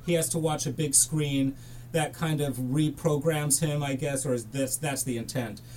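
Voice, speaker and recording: Male podcast host, slightly high pitch, rambling casual talker. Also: fairly even intonation, moderate pace, a little mellow, slight background noise, poor audio. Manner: chatty, tangent-prone. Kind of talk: casual film discussion.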